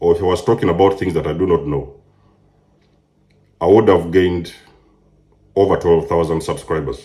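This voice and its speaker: The speaker has a non-native accent. The voice is somewhat breathy, with a dark, mellow tone. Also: man. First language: not English. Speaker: spiritual life coach, video creator. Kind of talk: monologue to camera. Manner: halting, with fillers.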